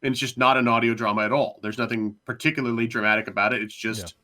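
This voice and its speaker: A man in a casual panel discussion, hedging and repeating himself as he thinks out loud. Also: medium pitch, fairly even intonation, quick pace. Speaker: panelist on a podcast discussion show.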